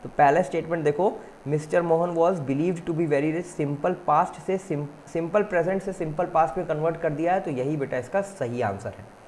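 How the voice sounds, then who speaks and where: A male teacher going through an exam-prep question paper. He reads the English questions slowly and explains quickly in Hindi, addressing students as "beta". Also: a little high, darkish tone, slight background noise.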